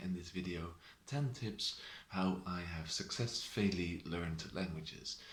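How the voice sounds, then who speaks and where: A man with a Dutch accent speaks fairly slowly in a somewhat breathy voice with a very deep, low pitch. Audible room echo surrounds him. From Netherlands. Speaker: language learning youtuber. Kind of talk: casual vlog talk. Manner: halting, many fillers.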